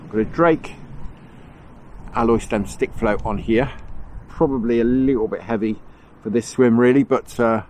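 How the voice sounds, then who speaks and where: Bunged up and nasal from a cold, a fishing vlogger rambles and chuckles through casual commentary while recording himself by the river. His voice sits in the mid range, slightly mellow, at a moderate pace. Faint wind is audible.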